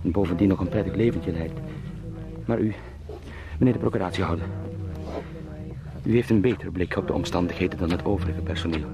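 An actor in a radio drama playing an anxious travelling salesman turned beetle, pleading and eager to please in halting, formally polite speech. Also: low-pitched, music in the background. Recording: clearly noisy radio play sound.

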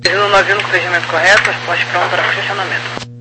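Man, high voice, Brazilian accent, air traffic controller, procedural phrases, crackly noisy radio. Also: flat delivery, racing. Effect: aviation radio. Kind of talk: procedural clearance over radio.

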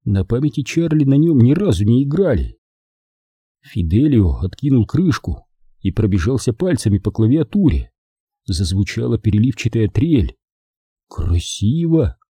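Husky male audiobook narrator, dark tone, dry close sound. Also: medium pitch, sing-song, moderate pace, no echo. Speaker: audiobook reader. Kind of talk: scripted narration.

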